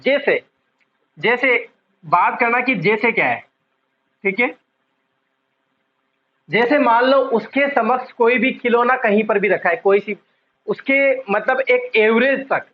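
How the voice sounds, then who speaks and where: A man whose voice sits high lectures online on psychology for exam prep, and the audio sounds dull. He gives important words drawn-out emphasis, repeats key terms, and puts questions to the class often.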